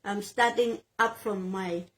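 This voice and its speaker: This Thai-accented woman in her sixties, a real estate sales agent from Thailand, fields interview questions in halting English and often repeats phrases as she looks for words. She has a mid-range voice with fairly even intonation, heard in a low-quality recording.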